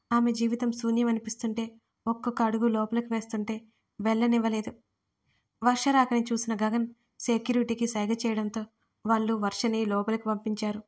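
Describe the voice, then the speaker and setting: Steady, flat-toned woman storyteller. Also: a little high. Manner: steady, even reading. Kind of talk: scripted storybook narration.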